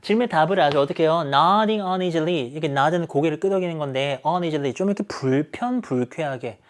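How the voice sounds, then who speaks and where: A man's voice: a little high, brisk. A man teaching an English exam lecture, explaining answers and acting out characters' lines. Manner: lively, acts out characters' lines while explaining.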